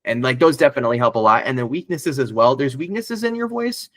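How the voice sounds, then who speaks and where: A voice actor guest chats casually in an interview, talking fast and animatedly, rambling with lots of restarts and fillers. His voice has some bass yet sounds a bit bright, and the studio-quality recording has no echo.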